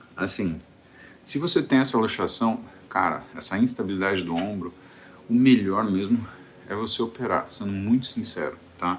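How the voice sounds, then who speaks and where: A soft-spoken man at a fairly low pitch, moderate pace and ordinary pitch variation. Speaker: doctor hosting a live Q&A. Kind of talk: live Q&A stream. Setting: livestream. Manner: conversational. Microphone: no headset, quiet voice pickup.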